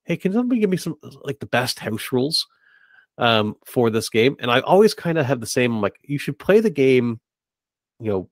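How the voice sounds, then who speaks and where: A man's voice: mid-range voice, very animated, normal speed, dry recording, clean studio sound. A man hosting a podcast, talking conversationally and somewhat tentatively as he rephrases his thoughts. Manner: tentative, hedging, circles back to rephrase. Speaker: podcast host. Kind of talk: conversational interviewing.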